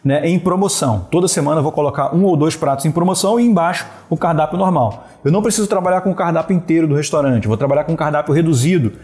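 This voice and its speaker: A man in his thirties from Brazil, talking straight to camera and giving business advice with animated hand gestures, often checking in with the viewer. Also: a little high, racing, hardly any pauses. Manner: animated, gesturing, steady talk punctuated with "né?" and "beleza". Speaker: e-commerce business coach. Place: small indoor room with wooden slat wall. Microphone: wired earphone headset mic.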